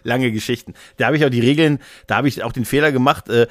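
A man's voice: mid-range voice, fast talker, dry recording. A man co-hosts a podcast in a loose, conversational style. His voice sits in an average register and he talks in a rambling, joking manner. The sound is dry, with very little room in it. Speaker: podcast co-host. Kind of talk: casual podcast chat.

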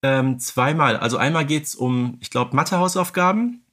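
A man's voice: mid-range voice, moderate pace, fairly bright tone. Conversational man co-hosting a podcast. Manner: conversational, often adds check-in tag questions. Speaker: podcast co-host. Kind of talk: casual chat about audio dramas.

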